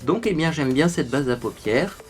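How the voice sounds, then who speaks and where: A man's voice: a little high, lively intonation, normal speed, faint music behind. A man hosting a makeup tutorial, chatting to viewers as he explains each step. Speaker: beauty tutorial host. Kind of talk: casual makeup tutorial talk.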